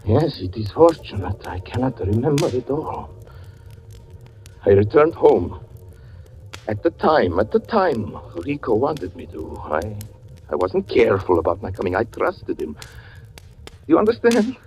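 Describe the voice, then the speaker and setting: An actor in a 1940s radio drama playing a grief-stricken man who confesses his wife's death, brooding and swinging from hushed tones to anguished cries. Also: mid-range voice, sing-song, measured pace, long pauses, highs cut off, a little hiss or hum. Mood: grieving. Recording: old radio broadcast with faint music.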